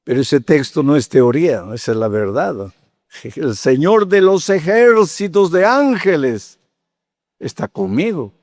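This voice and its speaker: Old guy in his 80s preaching, kinda high voice, tells stories w/ voices then gets fired up, dry sound. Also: sing-song, a little slow, darkish tone, no room sound. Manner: storytelling preacher, acting out dialogue, rising to fervent exhortation. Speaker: pastor. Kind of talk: sermon.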